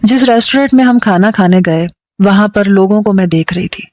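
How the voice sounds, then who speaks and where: A woman reading a first-person story aloud in an even, plain storytelling tone. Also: mid-range voice, dry recording.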